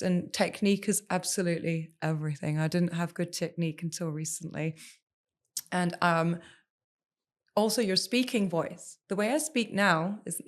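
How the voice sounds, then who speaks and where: A woman who is a singer and former TV presenter, speaking as a podcast guest and giving voice-care tips with emphatic repetition. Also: fairly low pitch. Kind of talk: podcast interview.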